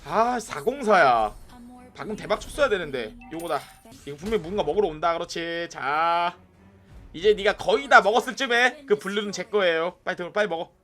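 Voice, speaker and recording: A young adult man giving excitable live commentary on a mobile game, yelling at teammates in bursts and chatting with viewers, with faint music behind. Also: high voice, fairly quick.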